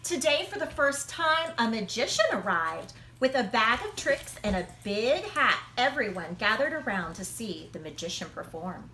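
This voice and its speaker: A woman reading a children's picture book aloud, expressively, with dramatic pauses and emphasis. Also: fairly high pitch, very animated, pushed and bright, reverberant, slight background noise. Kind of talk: animated children's read-aloud.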